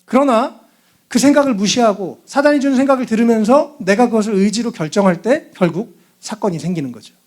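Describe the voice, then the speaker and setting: A male pastor with a high voice preaching an energetic sermon. He often uses fillers and acts out scenes. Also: brisk. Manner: lively, with many fillers, acting out scenes.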